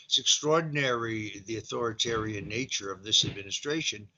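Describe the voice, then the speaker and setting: An older man hosting a talk show, speaking in a measured, hesitant way with fillers. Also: lowish voice, pushed and bright. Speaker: host. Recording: dull lo-fi audio.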